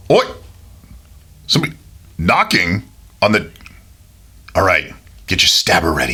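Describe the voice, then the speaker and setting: Someone uses a put-on character voice at a moderate pace, with long, frequent pauses. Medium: actual play. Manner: rough, excitable, stammering.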